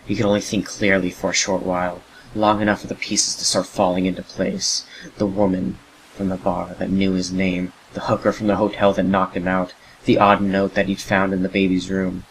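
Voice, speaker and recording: A man's voice: low-pitched, monotone, moderate pace, a little hiss or hum, low-quality recording. A man narrating a scripted horror story as the narrator of an audio drama.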